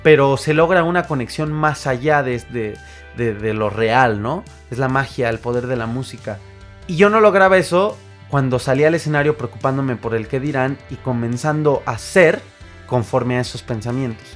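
A man with a Mexican accent, a podcast host and singer, telling stories in a casual, animated monologue full of fillers and restarts. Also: mid-range voice, moderate pace, soft background music. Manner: animated storyteller, acts out quoted voices, frequent fillers and restarts.

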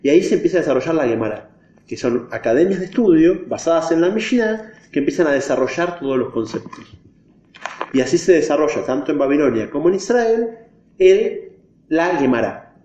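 A man's voice: fairly high pitch, lively intonation, a little fast, warm tone, slight background noise. A man teaching a class, explaining step by step and quizzing his students. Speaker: religion teacher. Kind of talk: classroom lesson. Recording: echoey, dull lo-fi room recording.

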